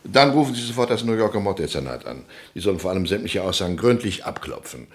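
A brisk police commissioner, low voice, commanding and dismissive, crime radio play. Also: male voice, sing-song. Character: brisk, cocksure small-town police commissioner. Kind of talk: German radio crime drama acting.

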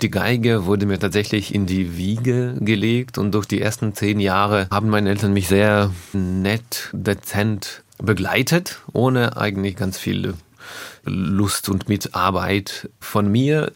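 A man from Russia, a native Russian speaker, talking as a musician guest in a radio interview, thoughtful and often pausing to find his words. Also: lowish voice, fairly even intonation, gravelly, no echo. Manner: thoughtful, searching for words with pauses.

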